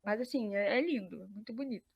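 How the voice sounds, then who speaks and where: Young brazilian woman on a podcast, high voice, lots of laughs and fillers. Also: brisk, creaky, slightly rough, dull audio. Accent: Brazilian Portuguese. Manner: chatty, laughs often, many fillers and restarts. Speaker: podcast guest. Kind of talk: casual interview chat.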